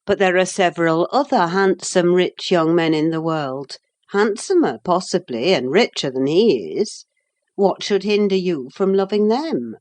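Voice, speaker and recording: A woman reading a sensible, plain-spoken housekeeper in an audiobook, with a steady, reasoning manner. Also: on the low side, a little slow.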